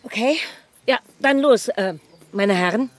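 An actress playing a calm, matter-of-fact chief police detective in an audio crime drama, measured and businesslike. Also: female voice, fairly high pitch, natural voice.

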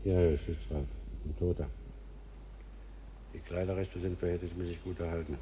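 A man acting in a German radio drama as a plain-spoken village gravedigger, measured and matter-of-fact. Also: low-pitched, fairly even intonation, warm tone, slight background noise, natural voice.

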